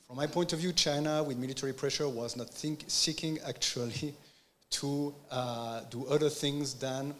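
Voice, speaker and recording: A man's voice: mid-range voice, fairly bright tone. French-accented male academic, noisy recording. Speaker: academic panel speaker. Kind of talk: argumentative lecture to an audience. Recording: clear background room noise.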